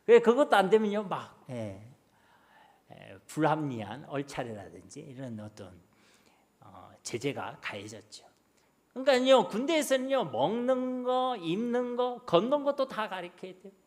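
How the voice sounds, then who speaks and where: Animated Gyeongsang pastor preaching a sermon. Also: male voice, high-pitched, unhurried. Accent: Gyeongsang Korean. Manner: animated preaching, rhetorical questions to the congregation.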